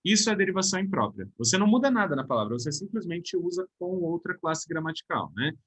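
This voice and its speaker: Teaching a recorded grammar lesson, a man with a Brazilian Portuguese accent explains things step by step and checks in with his students. His voice is on the high side, expressive, quick and a bit bright.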